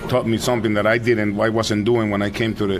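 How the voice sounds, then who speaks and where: With a Spanish accent, a man speaks at a fairly low pitch with fairly even intonation over noticeable background noise. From El Salvador. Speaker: sports broadcaster. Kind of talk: interview. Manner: halting.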